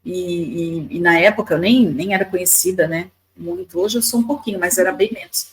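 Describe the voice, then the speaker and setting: A woman's voice: fairly low pitch, fairly quick, slight background noise, low-quality recording. A woman in her fifties from Brazil, a podcast guest telling stories in a chatty way, often repeating words and adding tag questions. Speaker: podcast guest, YouTuber and lawyer. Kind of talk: casual storytelling interview.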